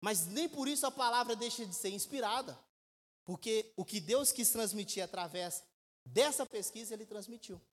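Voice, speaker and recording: A man, preaching a sermon as a pastor. He speaks with emphatic rhetorical questions and swings between loud and quiet. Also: high voice, moderate pace. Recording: echoey church hall with long reverb.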